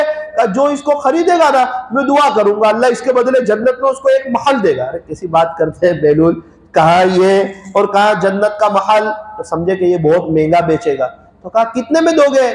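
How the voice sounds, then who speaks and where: A man with a high, light voice preaches a sermon to a gathering. He tells a story and acts out its characters' lines in quotes. The room echoes around him. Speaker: Islamic preacher. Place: religious gathering.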